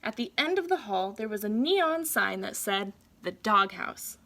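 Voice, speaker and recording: Bright, high-voiced woman reading a storybook. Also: sing-song. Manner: deliberate, dramatic phrasing for children. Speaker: teacher reading aloud to pupils. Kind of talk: expressive children's storybook read-aloud.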